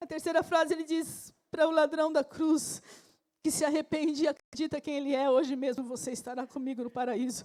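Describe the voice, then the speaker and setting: Her voice is high-pitched with a dark, mellow tone, as this woman speaks fairly quickly with fairly even intonation. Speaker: pastor. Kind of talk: sermon.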